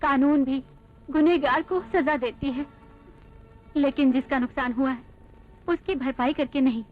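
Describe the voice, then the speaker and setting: An actress playing a calm, wise sister-in-law in a dubbed film, earnest and persuasive. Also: female voice, high-pitched, a little slow. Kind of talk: Hindi film dub. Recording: tinny dubbed audio with faint music.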